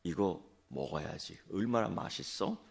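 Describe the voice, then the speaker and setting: A man's voice: sits low, big pitch swings, unhurried, creaky, exaggerated voice. A man voicing a hungry male tiger who is greedy and then bewildered, talking with blustering self-importance.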